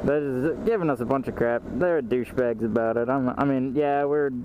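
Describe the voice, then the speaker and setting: A man's voice: medium pitch, moderate pace. A young American man telling stories casually as he rides a motorcycle outdoors. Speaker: motorcycle vlogger. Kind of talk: casual storytelling chat while riding. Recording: loud vehicle and wind noise outdoors.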